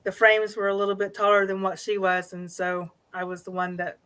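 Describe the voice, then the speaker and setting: A woman telling a personal story as an interview guest, speaking in a halting, tentative way. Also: medium pitch, monotone, fairly bright tone, smooth. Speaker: guest, new paranormal investigator.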